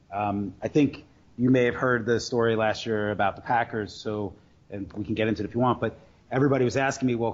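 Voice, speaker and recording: Guy telling stories in an interview, rambly n halting, kinda muffled lofi audio. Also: fairly low pitch, a little mellow. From Queens, New York. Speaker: sports bettor guest. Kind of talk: casual storytelling interview. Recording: dull lo-fi audio.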